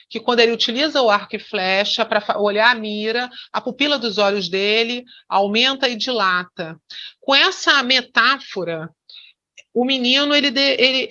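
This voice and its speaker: A woman's voice: on the high side, bright, forceful tone, highs cut off. A woman teaching hypnosis in an online lesson, explaining with many fillers and restarts.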